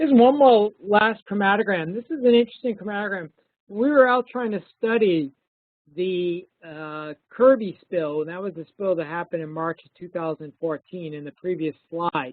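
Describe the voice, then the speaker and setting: A man with a Rhode Island accent, high pitch and lively intonation, moderate pace, and big swings in loudness. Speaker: scientist. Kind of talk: webinar lecture. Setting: online webinar. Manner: halting, many fillers and repeats.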